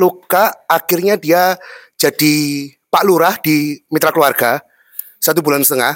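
A man's fairly high voice at a fairly slow pace, with very even loudness, fairly even intonation, long and frequent pauses, and a dry, close sound with no echo. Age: 20s. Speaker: discussion participant. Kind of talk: casual discussion.

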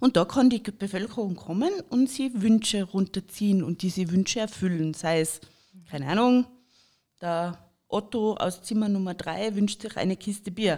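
Dark, mellow tone at a moderate pace, with ordinary pitch variation. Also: woman, medium pitch for a woman. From Austria, Tyrol (Kitzbühel district). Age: 40s. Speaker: community volunteer. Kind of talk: casual interview chat.

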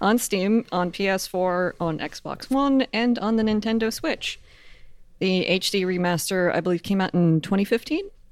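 On a very clean recording with a silent background, a woman with an American accent speaks in an ordinary speaking voice at medium pitch with ordinary pitch variation. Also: moderate pace. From United States. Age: 30s. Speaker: podcast host. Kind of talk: casual chat.

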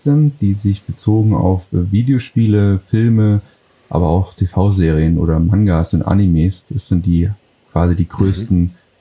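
A fairly slow, fairly low-pitched male voice, somewhat breathy, with a dark, mellow tone. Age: 20s. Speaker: cosplayer. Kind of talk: interview.

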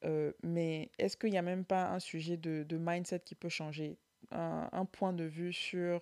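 A woman with a fairly low pitch speaks slowly in a monotone, flat way, in a very clean recording with a silent background. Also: dry, close sound with no echo. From grew up abroad, born in Abidjan, Côte d'Ivoire. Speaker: podcast co-host. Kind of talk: casual chat.

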